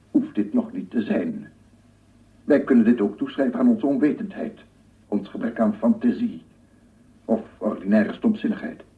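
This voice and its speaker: Phone-like old radio play, fervent scientist, formal lecturing, rhetorical repetition, very animated pitch, slightly off-mic. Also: male voice, distant mic. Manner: formal, rhetorical, repeats phrases. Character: obsessive male scientist lecturing on sounds, fervent, wondering. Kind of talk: radio drama lecture monologue.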